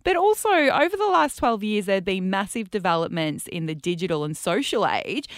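A woman's voice: mid-range voice, expressive, a little fast, no echo. A woman co-hosting radio, chatting expressively into a studio microphone. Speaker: radio co-host. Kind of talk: radio banter.

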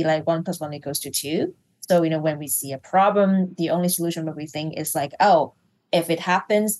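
A woman from Hong Kong, an executive coach, explaining her ideas thoughtfully in a business interview, pausing with fillers and restarting phrases. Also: sits low, darkish tone, low-quality recording.

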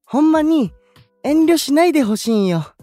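A man playing a gentle, candid young male idol with a Kansai accent in an anime-style audio drama, soft-spoken and considerate. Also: very high voice, lively intonation, moderate pace, no room sound, soft background music. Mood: earnest, caring.

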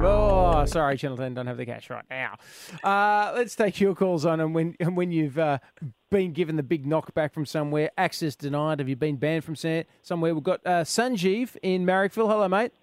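An Australian man hosting chatty talk radio and taking calls, joking and expressive in a blokey way. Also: a little high, a little fast, no room sound, soft background music. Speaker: radio host.

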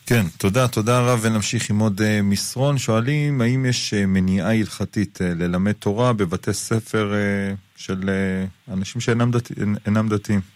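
Low-voiced radio host reading questions. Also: male voice, fairly even intonation, hardly any pauses, dry recording. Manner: brief, polite, reads out text questions with hesitations. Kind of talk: moderating a call-in show.

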